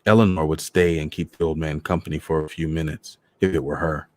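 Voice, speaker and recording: A man's voice: rumbling low, fairly even intonation, fairly quick, a little mellow, dry recording, clean studio sound. A man voicing a polite, somewhat guarded young woman in a storybook reading. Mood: reserved.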